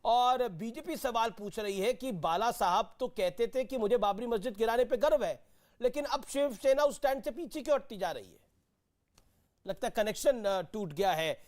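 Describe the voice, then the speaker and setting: A man's voice: extremely high pitch, animated, moderate pace, darkish tone. A man hosting a heated TV news debate, cutting in insistently and repeating himself to moderate. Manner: interjecting, repetitive, insistent. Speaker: TV debate host.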